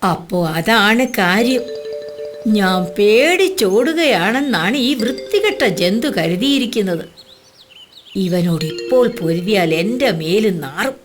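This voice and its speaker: A woman acts out a proud cartoon tiger. The delivery is slow and expressive, haughty and grumbling, with music playing behind. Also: mid-range voice, lightly acted. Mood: disgusted. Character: proud, disdainful tiger, easily disgusted.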